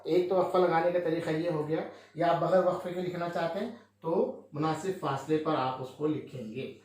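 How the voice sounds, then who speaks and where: A man's voice: on the high side, moderate pace, a little mellow, very echoey. A male teacher explaining a maths lesson, who asks questions and answers them himself with frequent checks on his listeners.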